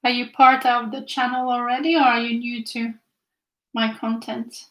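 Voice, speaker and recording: Young woman, Finnish accent, high-ish voice, relaxed live-stream chatter, roomy echo. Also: normal speed. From Finland. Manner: chatty, reads viewer comments aloud. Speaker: art teacher streaming live. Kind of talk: casual chat while painting.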